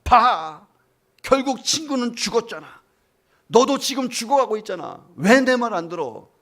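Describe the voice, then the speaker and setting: A man voicing an angry army commander who shouts orders at his soldiers. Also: extremely high pitch, very animated, moderate pace, pitched above the performer's own voice, exaggerated voice.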